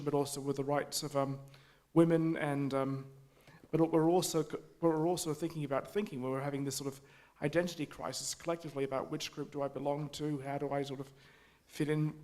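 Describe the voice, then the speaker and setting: A man speaking at a community forum, halting with many restarts and fillers. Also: fairly high pitch, darkish tone. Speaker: forum audience member. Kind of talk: spontaneous public remarks. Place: community hall.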